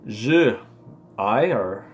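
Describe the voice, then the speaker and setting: A man's voice: fairly low pitch, animated, drawn-out words. A man casually studying flashcards aloud, repeating words and laughing at his own mistakes. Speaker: language learner vlogger.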